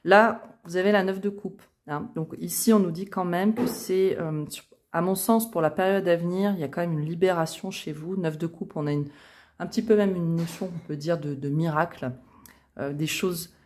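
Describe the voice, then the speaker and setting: A woman with a lowish voice and fairly even intonation talks at normal speed to her viewers during a casual tarot reading. She hosts the channel in a chatty way, sprinkling in "euh," "hein," and soft asides.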